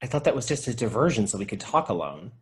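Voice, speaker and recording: A man's voice: mid-range voice, sing-song, quick pace, natural voice. A man playing an earnest, dramatic, demon-loving video store clerk in a comedy table read, with a theatrical, pleading manner.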